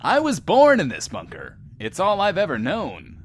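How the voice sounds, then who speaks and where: A man's voice: high voice, huge pitch swings, normal speed, heavily acted. A man playing a pompous, chatty post-apocalyptic radio host with a theatrical, self-important manner. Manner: theatrical, self-important, refers to himself in third person. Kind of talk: in-world radio show acting.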